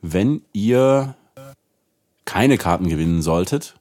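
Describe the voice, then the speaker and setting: A man co-hosting a casual podcast, relaxed and a little hesitant, announcing plans to the listeners. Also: low voice, takes it slowly, soft background music. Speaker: podcast co-host.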